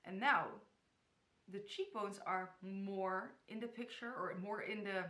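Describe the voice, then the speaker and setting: Chatty bright-voiced young woman vlogger. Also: mid-range voice, steady tone, a little slow. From the Netherlands. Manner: chatty, giggly, stumbles over place names. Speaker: hijab tutorial vlogger. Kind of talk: casual tutorial talk to camera. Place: her bedroom. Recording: echoey bedroom.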